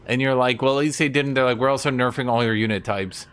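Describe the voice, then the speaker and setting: A man's voice: medium pitch, fast talker, fairly bright tone, clean tone. A man giving casual, blunt and sweary live commentary on a strategy game as he streams to chat.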